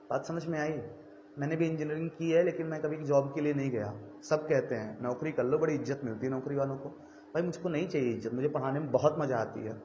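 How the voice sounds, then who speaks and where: A man's voice: a little high, darkish tone. Earnest male teacher in an echoey room. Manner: earnest, conversational, frequent "theek hai" check-ins. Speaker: coaching teacher. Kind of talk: motivational classroom talk to students. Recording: echoey, dull lo-fi room recording with faint noise.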